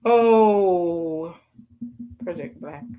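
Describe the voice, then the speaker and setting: A woman's voice: on the low side, extremely slow, mellow. A woman hosting a casual livestream call-in, chatting loosely and greeting viewers by name. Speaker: livestream host.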